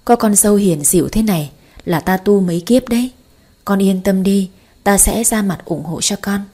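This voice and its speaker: A woman's voice: medium pitch, moderate pace, mellow, natural voice. A woman voicing a blunt, worldly older mother who coaxes and schemes, read in an audio story. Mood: coaxing. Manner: blunt, coaxing.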